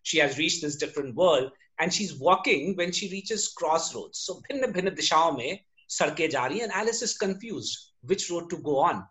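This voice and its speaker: A man's voice: on the high side, animated, racing, few pauses, fairly bright tone, rough recording. A man with a North Indian accent telling a story in an interview like a teacher, emphatic and didactic, switching between languages. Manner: emphatic, didactic, repeats lines in translation. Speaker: academic teacher, interview guest.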